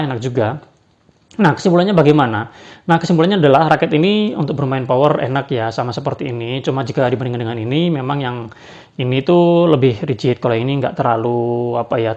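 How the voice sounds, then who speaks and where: A man's voice: mid-range voice, fast talker, a little mellow. A man giving a casual spoken product review, hesitant, with many fillers and tag questions. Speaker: badminton racket reviewer. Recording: dull lo-fi sound.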